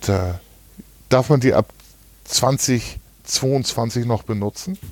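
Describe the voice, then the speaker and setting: A very slow-talking male speaker, pitch moving in a normal way. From northern Germany. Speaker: podcast co-host. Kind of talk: casual chat.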